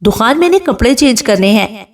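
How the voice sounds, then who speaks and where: A woman's voice: a little high, expressive. A woman reading as a frightened young bride. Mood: defiant. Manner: pleading, tearful. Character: young bride, defiant then pleading.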